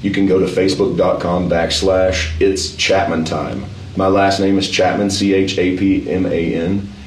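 Monotone, flat intonation comes in an American accent at a fairly slow pace, with noticeable background noise and audible room echo. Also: man, very deep, low pitch for a man. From Middle Tennessee, US South. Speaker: musician. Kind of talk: casual chat.

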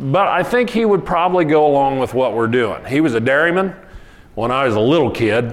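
A man with an American accent speaks at a fairly quick pace and a fairly high pitch, with lively intonation and very even loudness. Audible room echo and noticeable background noise are present. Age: 50s. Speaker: farmer. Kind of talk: conference talk.

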